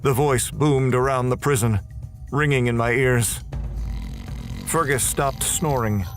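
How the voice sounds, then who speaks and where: A man narrates a horror audio drama in the first person. His mid-pitched voice delivers scripted prose dramatically, with music underneath. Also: a little slow.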